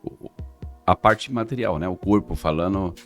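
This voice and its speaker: A middle-aged man, giving an earnest, halting religious testimony as a podcast guest. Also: low voice, faint music behind. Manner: earnest, halting, restarts words.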